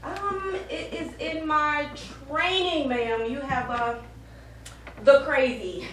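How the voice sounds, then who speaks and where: A woman's voice: high voice, slow, slight background noise. A woman playing a blunt, matter-of-fact stage manager in a live stage play. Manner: animated, bluntly reassuring, hesitant ums. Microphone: far camera. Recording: very echoey distant stage camera recording.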